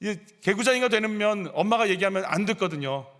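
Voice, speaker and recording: A male pastor preaching a sermon in a church, animated and acting out scenes as he goes. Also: high-pitched, brisk. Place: church sanctuary.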